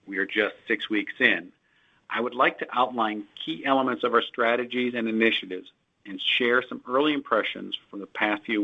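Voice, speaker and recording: A man, a company executive, reading prepared earnings call remarks in a steady, formal way with occasional slips, heard over dull lo-fi conference call audio. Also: lowish voice, vocal fry, husky.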